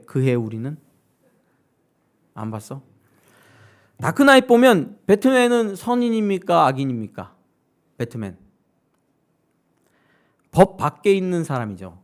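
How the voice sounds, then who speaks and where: A male pastor preaching a sermon. He keeps putting questions to his congregation and acts out what other people say. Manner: animated, asks the congregation questions directly; acts out quoted voices with sudden high-pitched outbursts.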